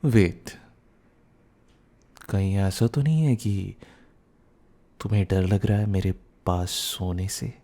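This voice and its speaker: A man's voice: sits low, slow pace, long pauses, mellow, exaggerated voice. A young man playing a teasing, playful and cheekily bossy young husband who gets flustered, in a boyfriend ASMR roleplay, mixing in some English. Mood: smug, playful. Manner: teasing, repeats words, mixes in English.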